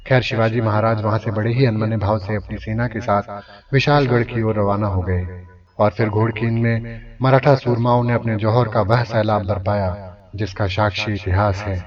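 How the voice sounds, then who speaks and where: A man narrating a scripted historical story in a formal, dramatic manner. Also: fairly low pitch. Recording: distant, dull lo-fi, crowd noise behind.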